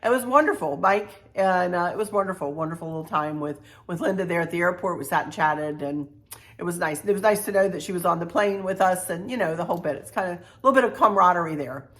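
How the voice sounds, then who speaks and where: A woman's voice: fairly low pitch, fast talker, fairly bright tone. Chatty woman telling a travel story. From Virginia, USA. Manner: chatty, repeats phrases, folksy asides. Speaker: travel vlogger. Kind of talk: casual storytelling to viewers.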